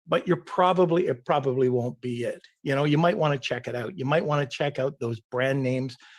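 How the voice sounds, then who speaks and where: A man's fairly high voice moves along at a fairly quick pace, its pitch varying in an ordinary way. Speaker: online event speaker on e-commerce branding. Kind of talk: webinar presentation. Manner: fast.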